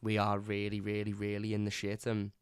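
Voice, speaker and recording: A hoarse man, hosting a live fan review and ranting bluntly. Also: lowish voice, completely flat delivery, brisk, dry recording, clean studio sound. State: hoarse from lost voice. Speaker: fan channel host. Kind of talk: live stream match review.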